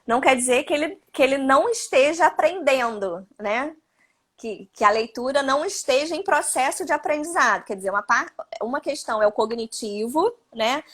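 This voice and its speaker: A woman's voice: sits high, expressive, normal speed, a bit bright. A Brazilian Portuguese-speaking woman, a psychologist, explaining parenting advice on a live stream, often adding tag questions. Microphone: phone or video call.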